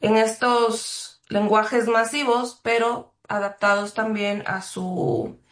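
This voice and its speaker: A woman from Ecuador, a journalist, answering interview questions in a thoughtful, measured way with frequent fillers and restarts. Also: on the high side, little pitch movement, fairly bright tone. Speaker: journalist guest. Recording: roomy echo.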